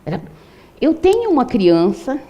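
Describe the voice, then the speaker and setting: A woman's voice: sits high, huge pitch swings, measured pace, warm tone, highs cut off. An older woman telling a true story to an audience in a conversational way, with frequent tag questions.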